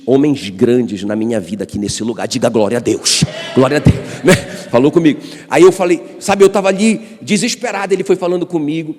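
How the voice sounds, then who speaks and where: A man's voice: mid-range voice, a little mellow. A man from Brazil, a pastor preaching a sermon with personal stories and calls for the congregation to respond. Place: church hall. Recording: long church hall reverb.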